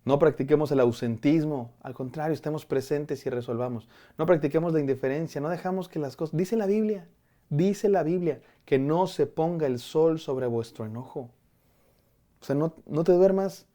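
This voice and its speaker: A man's voice: a little high, mellow. A middle-aged man preaching a devotional sermon to a camera, earnest and conversational, often restarting and repeating his words. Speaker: pastor. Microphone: camera framing, speaking to camera.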